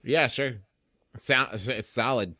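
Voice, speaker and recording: A man playing a tabletop game, tossing in quick wisecracks. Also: mid-range voice, bright, forceful tone, no echo. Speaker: player.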